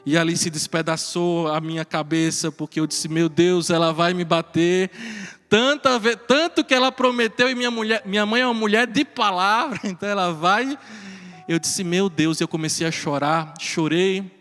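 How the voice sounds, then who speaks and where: High-voiced priest preaching. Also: male voice, moderate pace. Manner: personal storytelling, earnest, with chuckles. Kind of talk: homily at Mass. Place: church. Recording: reverberant church with soft music.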